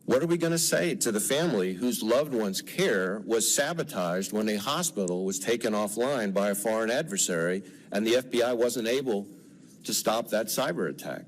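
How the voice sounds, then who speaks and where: A man gives earnest, persuasive testimony at a hearing. His voice sits low, with a faint room ambience behind him. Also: expressive, normal speed, a little hiss or hum, rough recording. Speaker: government official testifying.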